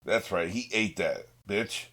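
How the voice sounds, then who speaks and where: A man's voice: fairly low pitch, unhurried, a bit bright, breathy edge. A man hosting a reaction show, talking casually and off the cuff in an informal, musing way with some swearing.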